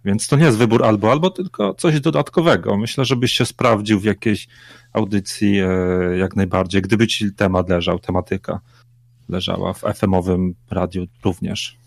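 A man's voice: lowish voice, steady tone, moderate pace, vocal fry, dry recording. A man co-hosting a radio chat who talks bluntly and sounds irritated. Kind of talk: casual chat. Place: lives in the UK.

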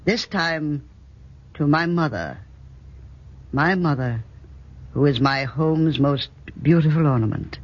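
A man's voice: a little high, expressive, slow, pauses often. A man playing a stammering, kindly middle-aged father in a 1940s radio drama. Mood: jovial. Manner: hesitant, stammering. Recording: dull lo-fi 1940s radio with faint noise.

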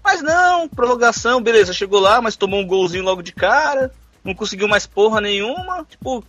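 Fast, high, bright Brazilian man's voice. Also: lively intonation, dry recording, muffled recording, soft background music. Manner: slangy, joking, swears freely. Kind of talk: casual podcast chat.

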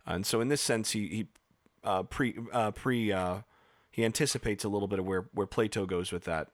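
A man with a lowish voice talks through ideas in a relaxed podcast chat, professorial in tone but halting, circling back with fillers and restarts. The sound is dry and close, with no room around it. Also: no room sound. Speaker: podcast co-host. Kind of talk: casual explanatory discussion.

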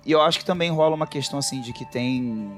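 A man with a Brazilian accent in casual, reflective podcast chat, talking informally and slangily in halting, rambling bursts. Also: mid-range voice, a bit bright, soft background music. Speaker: podcast co-host.

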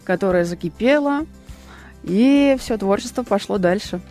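A woman, a singer and TV presenter, telling her story as a guest in a radio interview in an unhurried, relaxed way. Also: mid-range voice. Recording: radio studio with faint music behind.

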